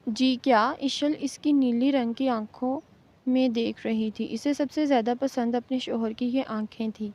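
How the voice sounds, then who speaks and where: High-voiced woman reading a novel. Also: fairly even intonation, dark tone. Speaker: novel reader. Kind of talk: scripted audiobook narration. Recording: muffled lo-fi recording.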